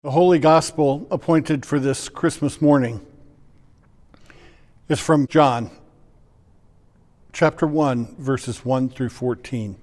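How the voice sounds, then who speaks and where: A male pastor reads scripture in a solemn, measured way, with long reverb around his voice. His tone is mellow and relaxed, pitched a little high for a man. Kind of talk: formal scripture reading.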